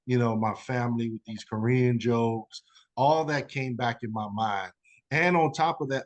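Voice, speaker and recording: A man, a guest author, telling a personal story in a rambling conversational way, full of "you know" and fillers. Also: medium pitch.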